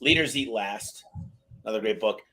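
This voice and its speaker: A man in his late thirties hosting a casual podcast interview, talking in an energetic, rambling, self-deprecating way with casual slang. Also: lowish voice, normal speed, poor audio. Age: 30s. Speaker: podcast host.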